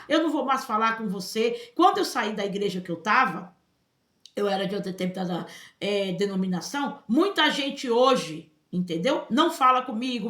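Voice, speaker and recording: A Brazilian woman speaks her mind in an emphatic vlog, her voice sitting a little high for a woman. She keeps pulling the listener in with quick asides and checks. The room gives her voice a noticeable echo. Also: a bit bright. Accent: Brazilian Portuguese. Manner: emphatic, keeps addressing listeners with "gente" and "entendeu?". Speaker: vlogger. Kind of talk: emphatic personal commentary to camera.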